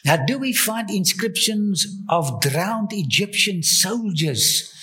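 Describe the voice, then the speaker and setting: High bright man speaking slow, halting English. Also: lively intonation. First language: not English. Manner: enthusiastic, full of wonder. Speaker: guest speaker on ancient Egypt. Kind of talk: lecture with live interpreter.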